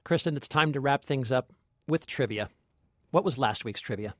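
A man's voice: medium pitch, normal speed, a bit bright, dry recording, studio quality. A man co-hosting a movie podcast in a casual, chatty style. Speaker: podcast co-host.

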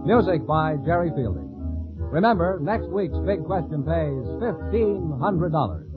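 A man's voice: a little high, animated, measured pace, phone-quality sound, music in the background. An American man working as a radio announcer, delivering scripted copy in 1940s style on an old recording.

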